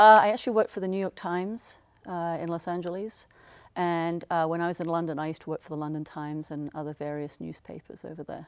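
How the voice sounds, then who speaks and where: A woman with an English accent talks at a very fast pace in a fairly low pitch, her loudness swinging widely. The recording is very clean, with a silent background. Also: fairly even intonation. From England. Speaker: real estate broker. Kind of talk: interview.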